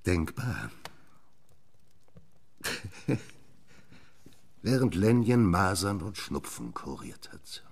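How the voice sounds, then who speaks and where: An actor playing a proud, troubled gentleman scientist in a German radio drama, theatrical and halting, moving between murmurs and outbursts. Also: sits low, big pitch swings, breathy edge, exaggerated voice. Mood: condescending, amused.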